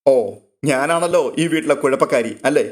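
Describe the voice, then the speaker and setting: A man's voice: on the high side, moderate pace, lightly acted. A man reading a story aloud and voicing an upset, tearful teenage girl in a raised, pleading voice. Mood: sulky.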